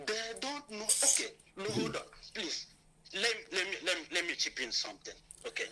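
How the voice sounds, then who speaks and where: A man with a Nigerian accent, fairly quick pace, long and frequent pauses, and noticeable background noise. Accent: Nigerian Igbo English. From Nigeria, Enugu. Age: 30s. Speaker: caller. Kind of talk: phone-in talk show.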